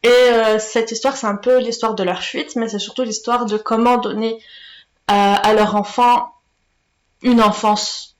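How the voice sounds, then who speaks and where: A woman with a fairly high voice chats through a casual book review vlog, hesitant and full of fillers and restarts. Her voice rings off the walls of an echoey room. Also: steady tone, unhurried. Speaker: booktuber.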